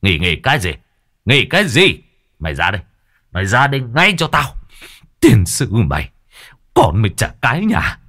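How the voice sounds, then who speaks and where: A man voicing a hot-tempered middle-aged father, barking gruff shouts. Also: mid-range voice, wildly swooping pitch, fast, no echo, clean studio sound, voice pushed up, full character voice. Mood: raging.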